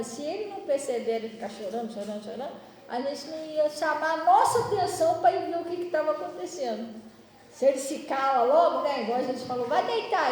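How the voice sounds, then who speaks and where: A woman's voice: high-pitched, slight background noise. A woman pastor preaching a sermon in a chatty, storytelling way to her congregation. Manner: conversational, animated storytelling to the congregation. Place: church hall. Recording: distant mic in an echoey church hall.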